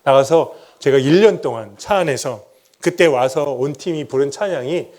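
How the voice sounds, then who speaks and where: A man's voice: on the high side, normal speed, a little mellow. A middle-aged man, a pastor, preaching a sermon and telling his own story, asking the congregation rhetorical questions and acting out what he said back then. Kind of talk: sermon with personal testimony.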